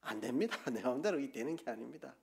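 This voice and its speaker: A man's voice: medium pitch, animated, fast talker, gravelly, a little mellow, husky. A man with a Gyeongsang accent preaching a sermon as pastor, asking the congregation questions and leading them in call-and-response. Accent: Gyeongsang Korean.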